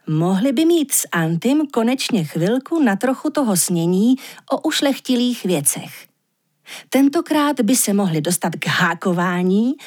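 A woman narrating an audiobook fairy tale with lively, expressive storytelling. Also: medium pitch, slightly rough.

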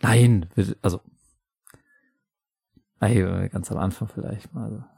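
A man improvising a comedy scene, an animated storyteller who breaks into loud high voices. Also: slow pace, vocal fry, breathy edge, no room sound, clean studio sound. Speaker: improv performer.

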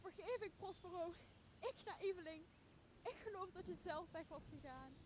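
A tormented noble full of guilt, played by a woman, in a radio drama. The voice is extremely high and wailing, with tragic weight. Faint noise sits behind it. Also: moderate pace. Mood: anguished. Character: anguished, guilt-stricken noble haunted by the gods. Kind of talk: radio play acting of Shakespeare.

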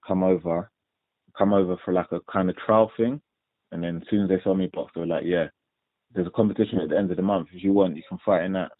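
This deep-voiced young man is a professional boxer from London who speaks with a London accent. Over a tinny, dry phone line, he answers interview questions casually, rambling and leaning heavily on fillers.

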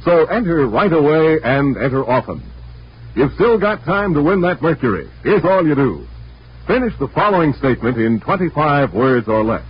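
A man's voice: a little high, sing-song, moderate pace, slightly rough. A man with an American accent delivering scripted ads and sign-offs as a 1940s old-time radio announcer. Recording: muffled vintage radio recording, music behind.

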